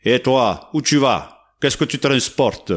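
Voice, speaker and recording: A man voicing a greedy male castle gate guard in a spoken fairy tale, gruffly questioning and then angling for a share of a reward. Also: mid-range voice, takes it slowly. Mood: bargaining.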